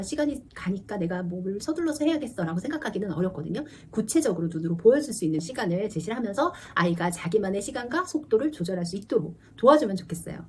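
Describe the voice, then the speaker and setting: A woman in her forties, a teacher and mother, talking earnestly to camera about parenting and acting out quick exchanges with her child. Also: medium pitch, a little hiss or hum. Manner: earnest, confiding, acts out dialogue with her child. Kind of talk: casual parenting talk to camera.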